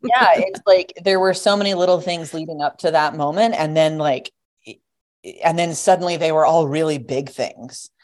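Guest, young adult, low voice, loose rambling delivery full of filler words. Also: female voice, moderate pace, darkish tone. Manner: rambling, heavy use of "like" and "you know". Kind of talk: casual podcast conversation.

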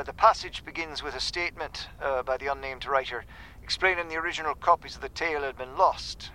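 Scholarly man reading translation notes, measured and academic, bright and crisp , played by a man. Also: mid-range voice, rough recording. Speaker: translator's commentary reader. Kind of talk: document reading in audio drama.

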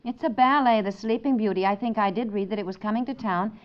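An actress playing a breezy, sensible American wife and mother who gently teases, in a 1950s radio comedy. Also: mid-range voice, fast talker, a little hiss or hum, close to an everyday voice. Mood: dry, casual. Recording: dull, lo-fi 1950s radio recording.

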